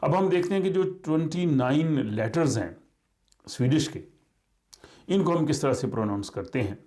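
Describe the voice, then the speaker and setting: A middle-aged man explains a lesson in a slow, measured way, often pausing to hesitate. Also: on the high side, animated, a little mellow. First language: Urdu. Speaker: language teacher.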